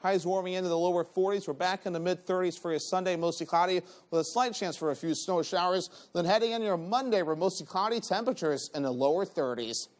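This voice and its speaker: A man delivers a TV weather forecast in a loose, ad-libbed way. His voice is notably high for a man, and he talks quickly.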